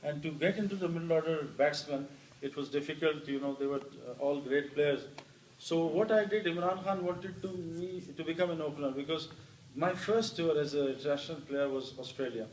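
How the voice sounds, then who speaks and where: A middle-aged man from Pakistan, an interview guest and former cricketer, telling stories warmly with many fillers. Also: fairly high pitch, brisk, slight background noise. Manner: warm anecdotal telling with many "you know" fillers. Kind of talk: storytelling in an interview. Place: hall with an audience. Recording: roomy hall, voice picked up from a distance.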